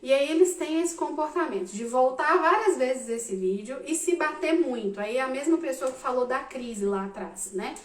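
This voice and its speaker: A woman in her thirties, a psychologist giving animated casual advice to parents, often checking in with "tá?". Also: high voice, normal speed, hardly any pauses. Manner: animated, addresses listeners directly with frequent "tá?". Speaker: psychologist answering parents' questions. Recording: roomy echo, mic at a distance.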